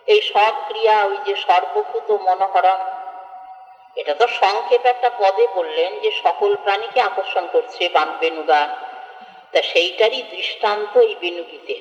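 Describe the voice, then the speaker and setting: A woman from West Bengal giving a devotional scripture discourse, explaining earnestly and chanting verses slowly. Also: medium pitch. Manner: earnest expository, with slow chanted verse recitation. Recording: echoey hall, dull lo-fi, faint music.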